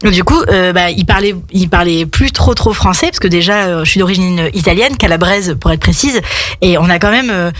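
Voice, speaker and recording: A woman's voice: on the low side, normal speed, no echo. A woman speaking as a radio guest, telling personal stories in a casual, conversational way. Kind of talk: animated personal storytelling, casual chat.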